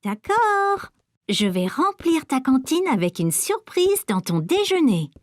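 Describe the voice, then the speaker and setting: High-voiced, caring cartoon mother. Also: sing-song, slow pace, dry recording, clean studio sound, exaggerated voice. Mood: gentle, encouraging. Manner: encouraging, motherly. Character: caring, gentle young mother of a preschool boy. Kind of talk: French-dubbed children's cartoon acting. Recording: music behind the voice.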